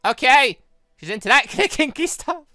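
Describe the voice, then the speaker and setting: A man hosting a gaming playthrough with casual, reactive, animated commentary. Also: extremely high pitch, a little slow, no echo, clean studio sound, soft background music. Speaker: gaming channel host. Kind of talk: casual let's play commentary.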